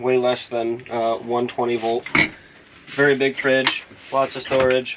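A man speaks over loud background noise. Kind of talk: casual tour walkthrough. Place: bus. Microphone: camera far.

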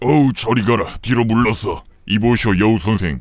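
A man puts on a character voice at medium pitch, speaking at a moderate pace. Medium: dub. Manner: gruff, dismissive.

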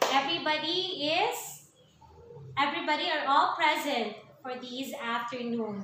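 A woman speaks at a fairly slow pace in a raised, projected voice, with audible room echo and noticeable background noise. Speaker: teacher. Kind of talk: classroom teaching. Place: classroom. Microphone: camera far.

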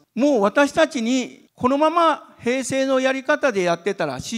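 Against a quiet background, a man talks at an extremely high pitch with lively intonation. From Japan, Kyoto; Japan. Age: 70s. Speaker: company founder and chairman; presenter. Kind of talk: seminar presentation. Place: hall. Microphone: handheld.

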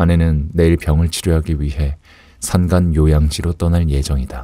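Against a quiet background with a dry sound and no echo, a man with a very deep, low pitch and a dark, mellow tone speaks at a moderate pace with fairly even intonation. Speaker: audiobook narrator. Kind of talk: audiobook reading.

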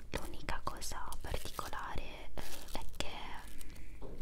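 Over loud background noise, a woman whispers in a soft-spoken way at a fairly slow pace. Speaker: ASMR creator. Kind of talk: soft-spoken ASMR product talk. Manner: soft ASMR whisper. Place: home room. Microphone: phone near.

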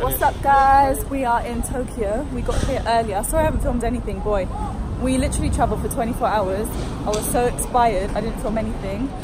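A woman talking at a very fast pace with ordinary pitch variation, crowd noise behind her. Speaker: travel vlogger. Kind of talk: casual vlog chat. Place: street. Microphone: phone near.

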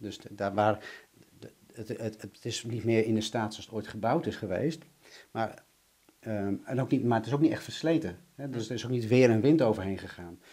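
Dark, mellow tone at a moderate pace over a quiet background. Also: man. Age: 40s. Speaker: co-host discussing alleged extraterrestrial experiences; interview guest. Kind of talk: casual discussion. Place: studio. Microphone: studio mic.

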